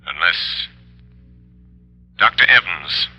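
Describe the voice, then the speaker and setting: An actor playing a mysterious male crime-fighter who speaks in a calm, deliberate and faintly mocking way, in 1930s radio drama style. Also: low-pitched, breathy edge, soft background music, exaggerated voice. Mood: cool, commanding. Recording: dull old radio recording.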